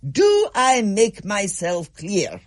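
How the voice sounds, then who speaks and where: A man's voice: sits high, huge pitch swings, slow pace, pitched above the performer's own voice, exaggerated voice. A man voicing a severe, commanding schoolmistress who lays down strict rules to her class. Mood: stern. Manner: strict, commanding, clipped warnings. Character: stern, severe middle-aged schoolmistress. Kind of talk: storybook reading, radio thriller.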